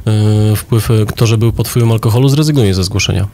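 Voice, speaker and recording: A man hosting a radio interview and asking steady, probing questions from a studio. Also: on the low side, fairly quick. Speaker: radio host.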